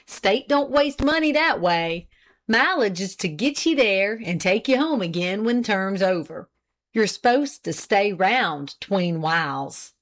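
A woman's voice: medium pitch, lively intonation, measured pace, lightly acted. A woman voicing a pompous, self-important old farmer husband with an indignant, boastful rural drawl.

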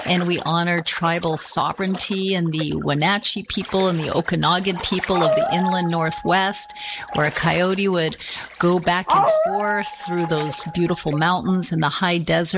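A woman co-hosting a podcast, talking reflectively and slowly, often restarting her phrases as she searches for words. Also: lowish voice, noisy background. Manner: slow, searching, with repeated restarts. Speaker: podcast co-host. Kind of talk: reflective conversational talk.

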